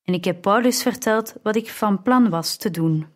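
A woman reading the lines of a calm, devout young man in an audiobook, gentle and firm in manner. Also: medium pitch, normal speed, close to an everyday voice. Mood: earnest.

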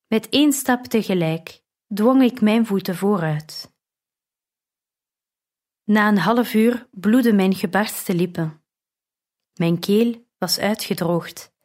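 A woman reading a first-person audiobook in a measured, earnest way. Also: medium pitch, darkish tone. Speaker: narrator.

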